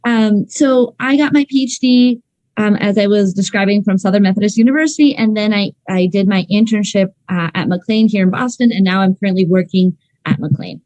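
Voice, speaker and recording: A woman's voice: mid-range voice, brisk, a little mellow, no room sound, low-quality recording. A woman from Ecuador, a clinical psychologist, giving an online seminar talk over a video call in a conversational way with um fillers.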